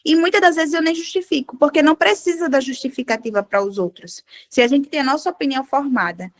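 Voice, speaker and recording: High-voiced animated woman sharing testimony. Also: fast. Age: adult with a child. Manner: animated storyteller, acting out dialogue. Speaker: devotional group participant. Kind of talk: casual testimony in a women's devotional call.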